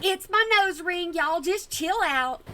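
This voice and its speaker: High-voiced sassy woman. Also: measured pace, sharp tone, a little hiss or hum. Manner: sassy, sarcastic, talks back to the clip. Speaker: reaction channel host. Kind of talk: casual commentary over a clip.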